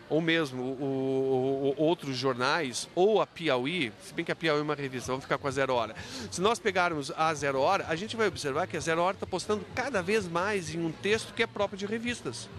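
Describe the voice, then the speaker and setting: A man's voice: on the high side, a little fast, a bit bright. A man explaining things in a spontaneous interview, didactic, posing rhetorical questions as he goes. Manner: didactic, with rhetorical questions and frequent self-checks. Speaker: university professor interviewed about his book.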